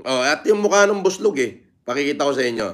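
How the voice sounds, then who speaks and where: Guy on a livestream, kinda high voice, blunt and rambly, cusses a lot. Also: lively intonation, fast talker. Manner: blunt, rambling, swears openly. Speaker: livestream vlogger. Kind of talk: casual livestream talk reading viewer comments.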